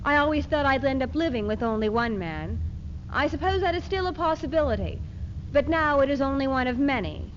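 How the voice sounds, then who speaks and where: A woman's voice: high-pitched, lively intonation, brisk. A woman playing a determined, newly independent feminist in a readers theater monologue. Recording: dull 1970s archive recording, faint noise.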